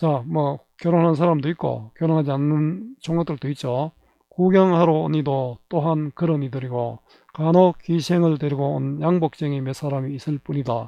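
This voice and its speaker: A man with a Gyeongsang accent speaks in a fairly high pitch with a dark, mellow tone against a quiet background. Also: ordinary pitch variation, moderate pace. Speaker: Korean language teacher. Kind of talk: lecture explaining a literary text, with read-aloud passages.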